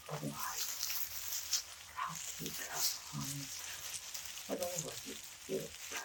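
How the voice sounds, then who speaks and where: A woman playing an eccentric, fussy medical examiner in an ASMR roleplay, talking in a halting, rambling, repetitive and reassuring way. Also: low voice, gravelly, recorded from a distance, background noise, heavily acted. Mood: defensively reassuring. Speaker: ASMR performer.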